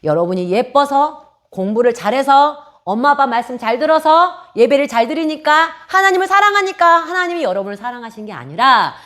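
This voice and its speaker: A woman's voice: high voice, very animated, brisk, few pauses, a bit bright. A woman preaching a children's sermon, telling a story and asking the children questions.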